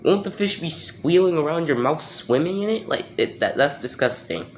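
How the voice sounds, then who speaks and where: A man's voice: on the high side, lively intonation, normal speed, a little hiss or hum. A man giving casual, unscripted reaction commentary in a questioning, incredulous, literal-minded way.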